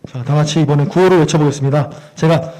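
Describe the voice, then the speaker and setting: A man emceeing a seminar with a somewhat high yet mellow voice. He gives polite, clear instructions to the audience in a hall. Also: quick pace. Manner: polite, directive. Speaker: master of ceremonies. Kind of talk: event announcing.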